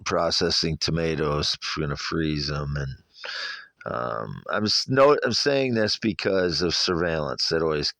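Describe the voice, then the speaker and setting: A middle-aged man with a Midwestern American accent speaks in an extremely low, gravelly voice, congested from allergies. He rambles through a personal monologue, stopping, repeating and correcting himself. The sound is dry and close, with little room on it. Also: animated, a bit bright, no echo. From Iowa, United States. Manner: halting, repetitive, self-correcting.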